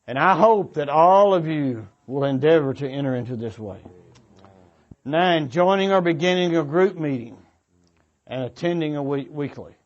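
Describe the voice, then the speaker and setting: A man with a fairly high, animated voice preaches to a church congregation, earnestly urging his listeners on. His delivery is a little halting, restating phrases as he goes, and the recording sounds slightly dull and muffled.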